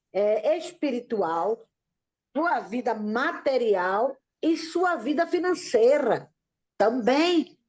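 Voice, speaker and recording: A woman speaks very slowly in a high voice, with very wide pitch swings and long, frequent pauses. Her loudness stays very even. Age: 60s. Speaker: devotional group participant. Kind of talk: testimony.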